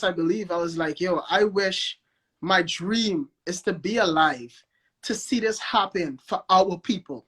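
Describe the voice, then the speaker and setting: A record label founder with a Guyanese accent appears as a guest in a relaxed livestreamed interview, his voice high and bright. Animated and enthusiastic, he doubles back on words as he builds toward each point.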